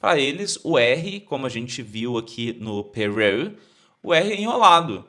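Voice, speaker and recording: A Brazilian man with a Brazilian Portuguese accent who teaches English, repeating phrases slowly for learners to copy. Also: mid-range voice, very animated, sharp tone. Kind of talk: explaining an English lesson.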